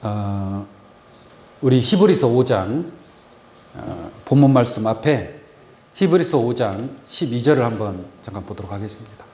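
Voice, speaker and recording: A man's voice: medium pitch, expressive, measured pace, warm tone. A man preaching a sermon as pastor, often asking the congregation questions. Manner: asks the congregation many questions. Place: church sanctuary. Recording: echoey church room. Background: congregation saying amen.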